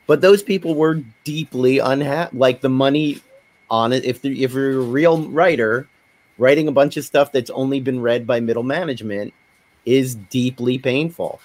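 A middle-aged man with an average-pitched voice talks in a panel discussion. He tells stories in a conversational, anecdotal way, voicing bits of quoted dialogue as he goes. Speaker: podcast panelist, independent filmmaker.

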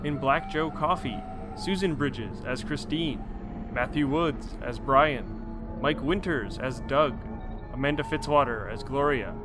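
A man reading scripted production credits as an announcer. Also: medium pitch. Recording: music behind the voice.

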